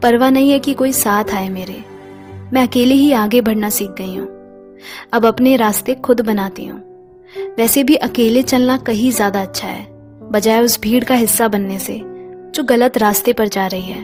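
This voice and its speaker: A woman talks with ordinary pitch variation. Behind her, music plays. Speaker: poetry reader. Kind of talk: Hindi self-love poetry reading.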